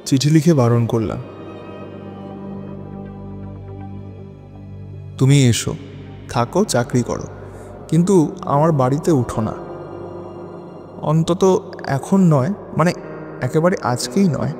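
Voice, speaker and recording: A male actor plays a brooding, lonely widower telling his own story in a horror audio drama. His voice is mellow and dark yet fairly high for a man, with theatrical, introspective pauses. It sits in long reverb. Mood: uneasy, reflective. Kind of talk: dramatic first-person audio drama narration. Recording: long reverb, music bed underneath.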